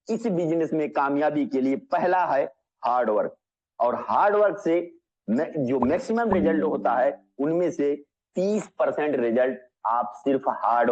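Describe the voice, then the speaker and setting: A man giving an energetic motivational business session, asking the audience questions and calling them friends. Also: fairly high pitch, highs cut off.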